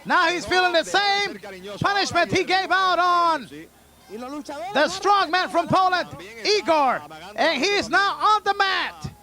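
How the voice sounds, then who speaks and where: A man calling a wrestling match play-by-play as a lucha libre announcer, with an excitable manner. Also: very high-pitched, slow pace.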